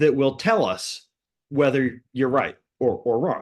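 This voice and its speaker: This man has an American accent and talks at a moderate pace. His pitch swings very widely. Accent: American accent, kept. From Vermont, northeastern US. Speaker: co-op and sociocracy advocate. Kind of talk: interview conversation.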